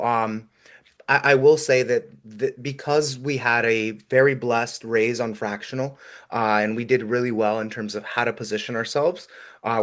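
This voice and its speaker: A man whose first language is Russian, speaking at a middle pitch. He gives upbeat, encouraging advice with plenty of "um"s along the way. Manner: energetic, encouraging, many "um"s. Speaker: guest investor. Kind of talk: podcast call-in advice.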